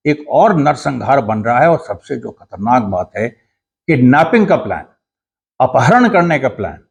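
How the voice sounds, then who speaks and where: Husky-voiced man explaining current affairs. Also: mid-range voice, very animated. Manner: earnest, explanatory, with frequent pauses and restarts. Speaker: political commentator. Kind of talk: casual commentary monologue.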